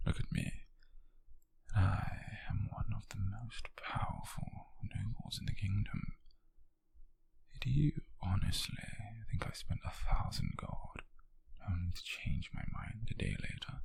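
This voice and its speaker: Man playing a husky, whispering British nobleman. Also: on the low side, full character voice. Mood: cold, insistent. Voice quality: breathy, husky near-whisper. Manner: slow, deliberate, condescending endearments. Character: wealthy possessive nobleman, coolly controlling yet tender captor. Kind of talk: intimate ASMR roleplay.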